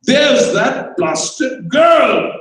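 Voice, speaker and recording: Casting: pompous, irascible older lord played by a male reader, explosive and high-pitched, heard in a very echoey room. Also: very animated, drawn-out words, a bit bright, heavily acted. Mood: outraged. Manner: explosive, indignant exclaiming. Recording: roomy echoing hall, distant microphone.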